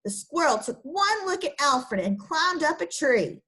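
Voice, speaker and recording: A young woman teacher reading a children's picture book aloud and then talking through its lesson with her class. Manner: slow, expressive storybook reading with lively pitch.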